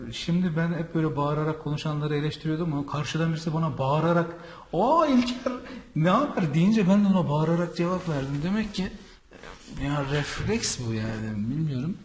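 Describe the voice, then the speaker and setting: A man's voice: a little high, a little mellow, slight background noise. A man working as a visa and travel consultant, talking in a casual, rambling vlog monologue with many fillers from Anatolia.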